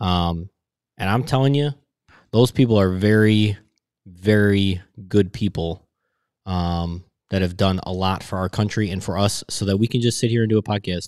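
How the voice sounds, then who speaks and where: Recorded very cleanly with a silent background and a dry, close sound with no echo, a man speaks at a moderate pace and fairly low pitch, with fairly even intonation and long, frequent pauses. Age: 30s. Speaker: athletic trainer podcast co-host. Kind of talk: casual chat. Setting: recording in a fitness gym.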